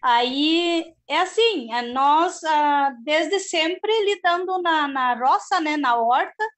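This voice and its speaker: A woman's voice: sits high, slow pace, a bit bright. A middle-aged woman from Brazil, an organic farmer speaking from home on a video call, chatting in a rambling way with many restarts. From southern Brazil. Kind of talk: casual video-call panel talk.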